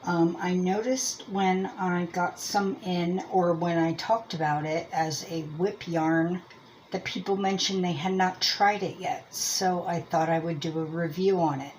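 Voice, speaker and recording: Her voice is low and darkish, unhurried, with fairly even intonation, heard on a low-quality recording with slight background noise. She hosts a crochet and yarn channel from Lancaster County, Pennsylvania, chatting through a casual homemade review in a Pennsylvania Dutch American accent, rambling and self-deprecating as she thinks aloud.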